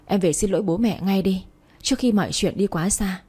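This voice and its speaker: A woman's voice: mid-range voice, a little fast, darkish tone, slightly rough, lightly acted. A woman voicing a stern young man who keeps scolding and urging his girlfriend, in a storybook reading. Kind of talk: storybook narration.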